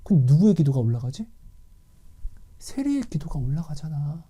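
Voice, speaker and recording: A man's voice: fairly high pitch, very animated, moderate pace, warm tone, slightly rough. A man giving an earnest, emotional personal faith testimony, acting out dialogues as he tells them. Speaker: Christian testimony speaker.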